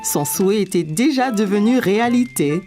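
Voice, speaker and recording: A woman playing a kindly storyteller, narrating a children's cartoon in a clearly phrased storybook manner. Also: medium pitch, expressive, normal speed, mellow, lightly acted. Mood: storytelling. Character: kindly storyteller narrating a small boy's day. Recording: faint music under the voice.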